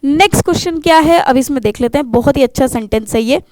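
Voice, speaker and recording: A woman's voice: high-pitched, fast, a little mellow, dry recording. A woman English teacher, explaining grammar step by step in an exam-prep lesson, mixing English terms into Hindi.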